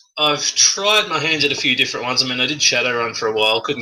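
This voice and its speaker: A man speaks at a very fast pace with an Australian accent. Noticeable background noise is present. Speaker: teacher and hobbyist gamer. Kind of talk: casual podcast interview. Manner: hesitant, many fillers.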